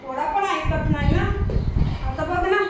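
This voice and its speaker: Woman scolding her dog loudly. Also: high-pitched, a little slow. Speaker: pet vlogger. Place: home, indoors. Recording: echoey room, faint background noise.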